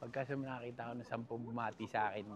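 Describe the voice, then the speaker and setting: A man's voice: medium pitch, level tone, fast talker. A man from the Philippines hosting a casual travel vlog, joking and laughing as he talks straight to his viewers while walking outdoors along a river. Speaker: travel vlogger.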